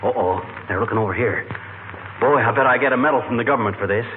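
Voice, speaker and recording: An actor playing an excitable, boastful small-town husband in a 1940s radio comedy. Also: male voice, quick pace, narrow, tinny audio, lightly acted. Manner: excitable, boastful, jumps in pitch. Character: blustering small-town busybody husband, middle-aged. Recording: scratchy old radio broadcast, hissy.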